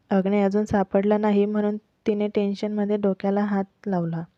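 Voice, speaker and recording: A woman's voice: medium pitch, no echo. A woman narrating her own serialized family drama, reading steadily and giving each character a voice of her own. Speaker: storyteller. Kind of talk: reading a self-written serial story. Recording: dull lo-fi, dry close mic.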